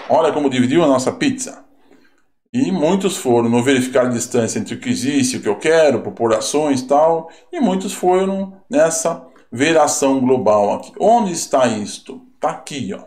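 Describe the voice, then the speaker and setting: This man's voice is a little high with a darkish tone, and he has a Brazilian Portuguese accent. Teaching online, he reviews exam answers casually, tacking little questions onto his sentences and posing rhetorical ones, in a room with noticeable echo.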